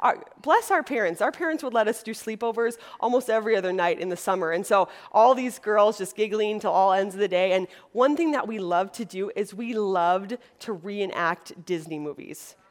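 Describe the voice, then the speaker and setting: With an American accent, a woman talks at a fairly quick pace in an ordinary speaking voice, her pitch medium and its variation ordinary. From US Midwest, Wisconsin. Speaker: pastor. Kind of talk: sermon.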